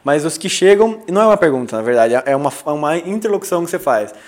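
A man co-hosting a casual business podcast, reflective, restarting his phrases and dropping to a low, confiding tone. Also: expressive, racing. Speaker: podcast co-host.

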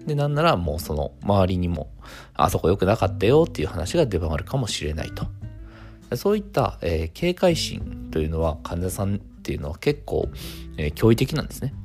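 A man, hosting a solo talk radio show and calmly explaining things in a measured way, with many fillers. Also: low-pitched, vocal fry, soft background music. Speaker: clinic owner and radio host.

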